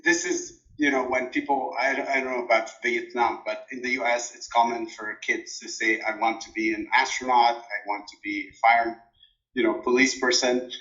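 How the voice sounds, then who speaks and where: A man whose first language is Arabic answers interview questions in a thoughtful, halting way, with frequent fillers and restarts. His voice is bright and forward, and the recording sounds somewhat dull and lo-fi. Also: mid-range voice, level tone. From Jordan. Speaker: interview guest, dissertation coach. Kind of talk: relaxed conversational interview.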